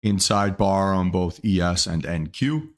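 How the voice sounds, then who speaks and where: Speaking low and at a measured pace, a man hosts a day trading livestream with casual live market commentary. He thinks aloud through his trades, using fillers and restarts, and he has the hiccups.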